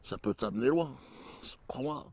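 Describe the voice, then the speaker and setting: Male stand-up comic, crude and mocking, mid-pitched voice, dry close sound. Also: expressive, normal speed, husky, no echo. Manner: crude, mocking, with sudden jumps in pitch and loudness. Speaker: stand-up comedian. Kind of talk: stand-up comedy routine.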